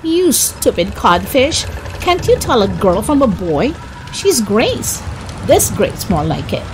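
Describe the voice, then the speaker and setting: A woman voicing a cruel, blustering male pirate captain with a black beard, domineering and loud, in a storybook. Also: medium pitch, big pitch swings, takes it slowly, background noise. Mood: outraged. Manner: shouting, domineering. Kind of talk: storybook character voice.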